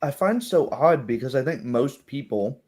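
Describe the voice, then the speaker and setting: A man's voice: mid-range voice, lively intonation, normal speed, darkish tone. A man chatting casually as the game master of a roleplay group, rambling and interrupting himself. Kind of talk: casual post-game discussion.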